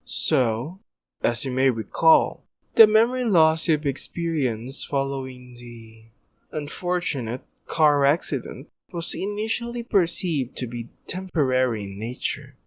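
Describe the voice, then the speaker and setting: Casting: male actor as formal hospital doctor, mid-pitched voice, clinical and wordy, audio roleplay. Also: sing-song, unhurried. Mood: formal, measured. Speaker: guest voice actor.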